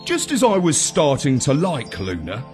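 A man narrating a children's space story in an expressive, dramatic, measured way, as a wry dog adventurer. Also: a little high, faint music behind.

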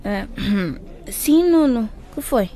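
A woman's voice: on the high side, animated, slow pace, dark tone. A woman playing an earnest, studious teenage schoolgirl in a radio drama, conciliatory and slightly flustered.

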